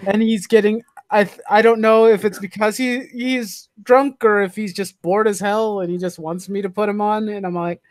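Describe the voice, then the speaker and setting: Streamer host, mid pitch, chatty storyteller, dry home-mic sound. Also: fairly even intonation, normal speed, few pauses, no room sound. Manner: chatty storytelling, laughs often. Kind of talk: casual chat.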